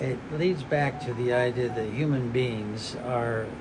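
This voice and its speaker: There is audible room echo and noticeable background noise. A man speaks with an American accent and fairly even intonation. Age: 80s+. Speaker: interfaith meeting participant. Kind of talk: group discussion. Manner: halting.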